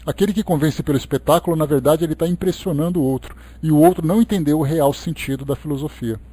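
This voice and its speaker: A man's voice: fairly high pitch, fast talker, warm tone, husky. A Brazilian man giving an expository study talk as a lecturer, reading aloud and explaining in a didactic way with conversational asides. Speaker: lecturer leading a Spiritist book study.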